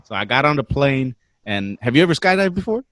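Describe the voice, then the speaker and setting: A man in his twenties casually telling a story on a podcast, animated and slangy, swearing freely. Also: mid-range voice, a little fast, dry recording. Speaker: podcast guest.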